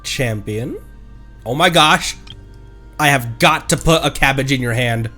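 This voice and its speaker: A woman's voice: very deep voice, measured pace, bright, forceful tone, faint music behind. A woman streaming a game, chatting casually in a playful, reactive manner.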